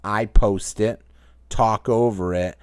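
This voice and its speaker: A low-pitched man with a Maine accent chats casually as the host of his own channel, wandering from point to point as he answers viewer questions. His voice sits close and dry, with almost no room sound. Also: fairly even intonation, slow pace, clear, resonant tone, dry recording. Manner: rambling, conversational, reads viewer comments aloud. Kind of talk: casual Q&A chat.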